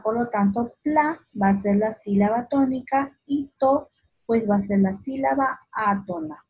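A woman teacher with a high, very breathy voice gives a slow lesson to small children. She draws out each word syllable by syllable and speaks fondly to the child, and the recording sounds dull and lo-fi. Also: darkish tone. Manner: affectionate toward the child. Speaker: primary school teacher. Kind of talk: remote lesson for young children.

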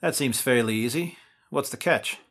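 A man's voice: mid-range voice, moderate pace, a bit bright. An actor playing a weary young man who keeps his two bumbling companions in line, with an exasperated straight-man delivery. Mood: polite. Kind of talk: audio drama acting.

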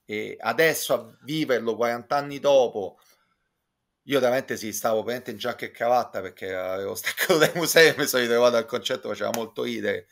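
Male guest commentator, Roman accent, fry in the voice, erudite and halting, informal. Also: medium pitch, a bit bright. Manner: reflective, halting, wordy and erudite. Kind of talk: informal spoken concert review. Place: indoor room with bookshelves. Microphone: video call, close to computer.

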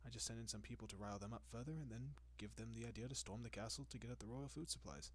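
A man playing a doting, possessive centuries-old vampire in an intimate roleplay audio, speaking in a genteel, coaxing manner with lingering pauses. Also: medium pitch, lightly acted. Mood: composed, confiding.

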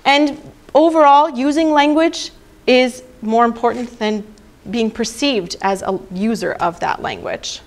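Young female researcher, slightly higher voice, explanatory conference talk. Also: a little slow. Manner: explanatory, frequent "right?" and "okay?" checks. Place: presentation room.

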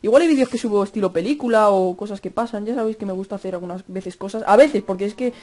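A young man with a Spanish accent from Spain chatting fast over Minecraft gameplay, cursing and yelling at the mobs. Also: sits high. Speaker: gaming youtuber.

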